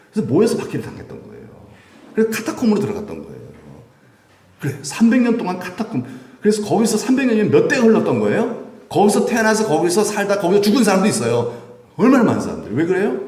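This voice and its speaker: Male pastor, lively preaching, rhetorical questions, roomy church echo, mic at a distance. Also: sits high. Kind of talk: sermon. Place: church sanctuary.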